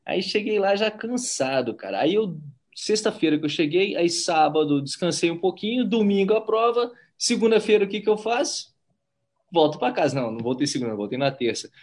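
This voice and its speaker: A man from Brazil hosting a casual interview, talking in an animated, chatty way. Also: high-pitched, a little fast. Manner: animated, chatty, frequent "né?" and slang.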